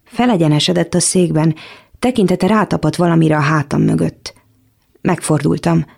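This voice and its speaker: A woman reading a first-person novel excerpt aloud in a measured, calm storytelling manner. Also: low voice, vocal fry, slightly rough. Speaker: reader.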